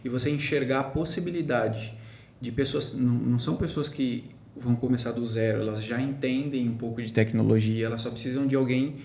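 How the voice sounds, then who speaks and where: Male podcast host, mid-pitched, persuasive, echoey room. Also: fairly even intonation, a little fast, a little mellow, a little hiss or hum. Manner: persuasive, appeals to listeners, restarts often. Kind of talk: casual podcast conversation.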